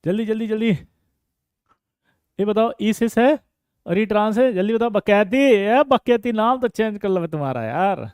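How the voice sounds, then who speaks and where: Male chemistry tutor, bright high register, teasing and fast-prompting, dry close-mic sound. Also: lively intonation, smooth, no echo. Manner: playful, teasing students by name, rapid "jaldi batao" prompts. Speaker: chemistry teacher. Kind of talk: energetic online exam-prep lesson.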